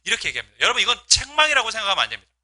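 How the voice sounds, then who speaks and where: Pastor guy preaching, high bright voice, swings up and down a lot, keeps asking the church questions. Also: wildly swooping pitch, very fast. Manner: addresses congregation directly with rhetorical questions; voices quoted speech with rising emotional emphasis. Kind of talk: sermon.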